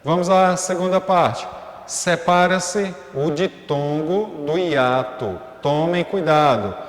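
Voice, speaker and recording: A man's voice: fairly high pitch, takes it slowly. A male teacher giving a recorded class, explaining step by step and often checking in with his students. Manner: explanatory, frequent checking fillers. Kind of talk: recorded online class lesson. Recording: echoey room with long reverb.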